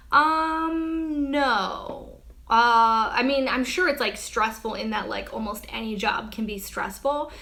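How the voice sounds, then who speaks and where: A woman's voice: medium pitch, sharp tone. A young woman, a wedding photographer, talking casually through a live Q&A, full of "um" and "like" fillers, her voice a bit worn. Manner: chatty, many "um" and "like" fillers. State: losing her voice. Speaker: wedding photographer answering viewer questions.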